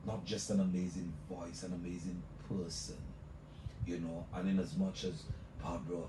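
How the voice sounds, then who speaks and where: A man's voice: low voice, little pitch movement, normal speed. A male radio host talking effusively on a live show, repeating "let me tell you" as he builds up his guest. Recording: echoey room, mic at a distance, noisy.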